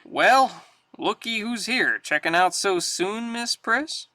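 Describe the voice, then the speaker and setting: A man's voice: high voice, animated, slow pace, pushed and bright, dry recording, full character voice. A man voicing a sly, teasing male team leader in a read-aloud comic.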